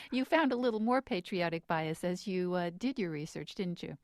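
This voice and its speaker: Lady co-host on a radio show, kinda low voice, friendly nudging questions. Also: lively intonation, moderate pace, no room sound, clean studio sound. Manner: friendly, prompting with tag questions. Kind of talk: radio interview.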